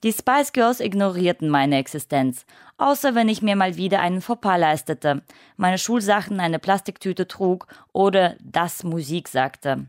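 Low, measured woman reading her essay. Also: lively intonation, dry recording, studio quality. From Russia. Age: late 20s. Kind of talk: scripted first-person radio narration.

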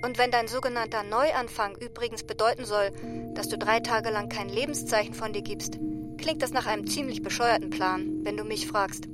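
Actress for a sarcastic, reproachful friend in a radio play, higher voice, loud music behind. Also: female voice, steady tone, normal speed, close to an everyday voice. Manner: sarcastic, scolding. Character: exasperated woman leaving a reproachful voicemail. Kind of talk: radio drama acting.

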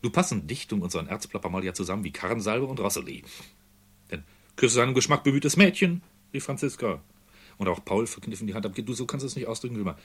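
A man's voice: fairly low pitch, animated, fast talker, husky. A man reading literary prose aloud for a radio feature, acting out the dialogue as he goes. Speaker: reader.

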